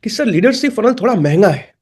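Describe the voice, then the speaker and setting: An excitable man with a high voice hosts a webinar interview. He talks quickly and gushes as he asks his questions. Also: slightly rough. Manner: excitable, gushing.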